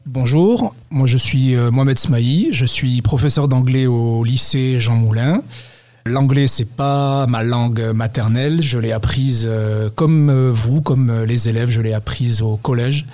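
A man who teaches English, giving measured interview answers with frequent restarts. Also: mid-range voice, dark tone, no room sound. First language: French and Arabic. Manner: measured, many restarts and hedges. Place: high school.

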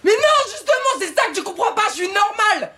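An actress playing a volatile, outspoken young woman who shouts at her partner in a film scene. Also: very high voice, lively intonation, fast, full character voice. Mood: exasperated. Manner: shouting, exasperated. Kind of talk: film dialogue. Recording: film soundtrack with noise behind.

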